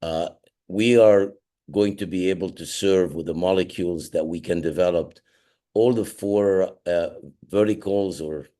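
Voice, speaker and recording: A deep, mellow-voiced middle-aged man presents a business update as chairman. He sounds a little under the weather and pauses often on fillers and restarts. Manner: hesitant, many uh fillers and restarts. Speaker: company chairman.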